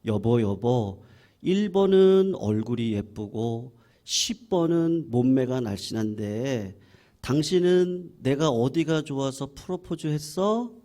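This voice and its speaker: A man's voice: mid-range voice, expressive, takes it slowly, mellow. A man voicing a teasing wife. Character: playful wife teasing her husband.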